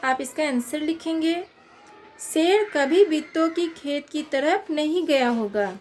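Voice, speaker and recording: A woman's voice: sits high, slow pace, a little mellow, a little hiss or hum. A woman teacher explaining a children's workbook lesson, reading out questions and patiently dictating the answers.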